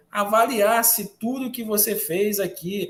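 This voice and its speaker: This man talks with a high pitch. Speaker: fire safety lecturer. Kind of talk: lecture.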